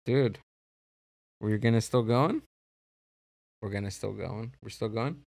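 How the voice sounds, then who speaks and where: Man hosting a podcast, gravelly, lowish voice, dry close sound, rambling with restarts. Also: darkish tone, dry recording. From Mexico. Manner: rambling, halting, many restarts. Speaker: podcast host. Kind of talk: casual podcast chat. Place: podcast studio.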